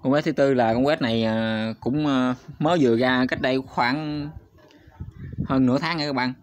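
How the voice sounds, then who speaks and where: A man's voice: mid-range voice, fairly even intonation, moderate pace, no room sound. A man hosting his channel, talking viewers through a screen recording in a chatty, hesitant way, with frequent fillers and constant asides to the audience. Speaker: YouTube channel host. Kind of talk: casual screen-recorded walkthrough. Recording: slightly dull lo-fi sound.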